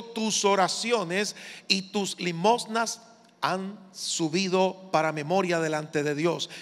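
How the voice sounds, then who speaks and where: A male pastor preaching a sermon in a measured, emphatic way, asking the congregation to repeat phrases after him. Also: high voice, a bit bright. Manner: measured, emphatic preaching with call-and-response prompts. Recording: long reverb of a large hall.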